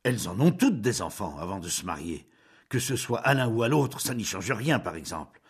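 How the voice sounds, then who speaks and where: A man voicing an angry, greedy young husband who shouts indignantly in an audiobook. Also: fairly low pitch, sing-song, normal speed, vocal fry, slightly rough, exaggerated voice. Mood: stern.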